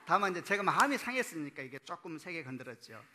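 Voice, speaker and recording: A middle-aged male pastor delivers a sermon in a church, his voice bright and slightly higher than most men's. He talks to the congregation in an easy storytelling way, posing questions and laughing at his own anecdotes. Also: sing-song, quick pace. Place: church sanctuary.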